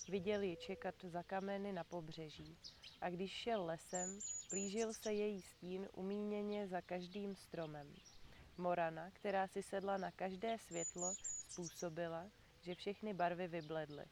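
A woman reading a storybook aloud to children in a calm, measured way, in an outdoor garden. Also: fairly low pitch, slight background noise. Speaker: reader for children.

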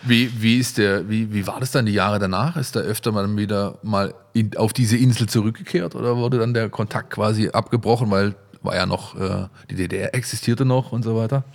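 A man's voice: on the low side, fairly even intonation, fairly quick, vocal fry, hardly any pauses. A male podcast host asking long, rambling interview questions.

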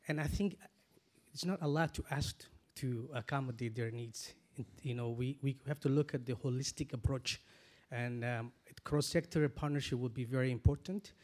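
Earnest halting man in his forties. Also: mid-range voice, a little mellow. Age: 40s. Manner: earnest, halting, many restarts. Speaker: guest. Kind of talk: panel discussion.

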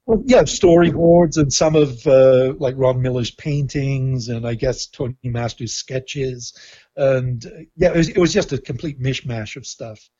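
Husky, mellow man on dull lo-fi audio. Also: mid-range voice. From Canada. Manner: halting, thoughtful, opinionated. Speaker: interviewee, film journalist. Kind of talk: reflective interview talk. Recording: dull, lo-fi sound.

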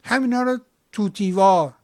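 A man's voice: high voice, darkish tone, dry recording, clean studio sound. A man hosting a call-in show, scolding and lecturing a caller in a heated debate. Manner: lectures and scolds, dramatic chanting asides.

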